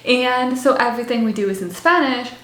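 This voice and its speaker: A woman's voice: a little high, a little fast, fairly bright tone, roomy sound. Bubbly young woman, laughing as she talks. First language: English. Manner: bubbly, laughs often between words, chatty with many "like" fillers. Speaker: language-learning vlogger. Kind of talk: casual talk to camera.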